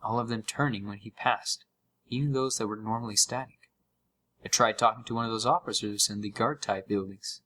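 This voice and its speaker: A man's voice: lowish voice, steady tone, a little fast, pushed and bright, a little hiss or hum, poor audio. A young man playing an uneasy gamer who narrates a scripted horror story with dramatic, suspenseful delivery. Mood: disturbed, suspenseful. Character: uneasy young male gamer recounting a haunted game.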